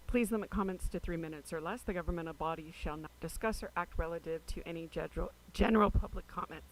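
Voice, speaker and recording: A woman's voice: on the low side, fast talker, rough recording. Woman clerk reading formal meeting procedure. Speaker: city clerk. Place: city council chamber, public meeting.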